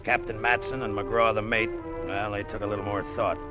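Brief: a man playing a low-voiced scheming sailor, tough narration, muffled old radio broadcast with music. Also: fairly even intonation, fairly quick, natural voice. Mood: brooding. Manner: tough first-person narration. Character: scheming male sailor-diver plotting to take the treasure. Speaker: narrator and lead character. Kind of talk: 1940s radio acting.

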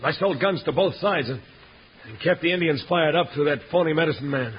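An actor playing a gunrunning villain in a 1950s radio western, taunting and stammering. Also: male voice, fairly high pitch, fairly quick, husky. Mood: cornered. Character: sneering adult male gunrunning villain. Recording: muffled old radio transcription.

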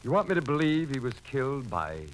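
A man's voice: mid-range voice, sing-song, a little hiss or hum, lightly acted, poor audio. A man playing a stern, rational but troubled doctor, with formal 1940s radio diction on a vintage recording. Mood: stern, dismissive. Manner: formal, grave, measured diction. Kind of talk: 1940s radio drama acting and narration.

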